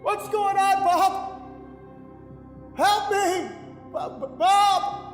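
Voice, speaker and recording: An actor playing a terrified male prisoner in a horror audio drama, brooding and halting as he recounts solitary torment and slips into panic. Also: very high-pitched, fairly even intonation, heavily acted. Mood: screaming desperation. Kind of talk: first-person horror audio drama narration. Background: music.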